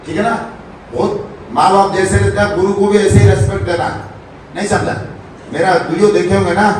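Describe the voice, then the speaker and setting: Male motivational speaker, high voice, recorded far off in a roomy college hall with faint ambience. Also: a little hiss or hum. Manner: lecturing, asks the crowd rhetorical questions. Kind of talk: motivational talk to college students.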